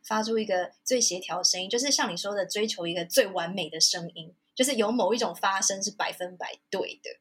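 A woman hosting a Mandarin interview podcast, thinking aloud and giving frequent soft hums of agreement. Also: mid-range voice, brisk, hardly any pauses, husky. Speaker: podcast host. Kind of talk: interview conversation.

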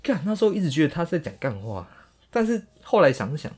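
Animated Taiwanese man telling a story. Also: fairly high pitch, fast talker, breathy edge. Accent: Taiwanese Mandarin. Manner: animated, crude slang, mocking. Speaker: podcast host. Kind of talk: storytelling monologue.

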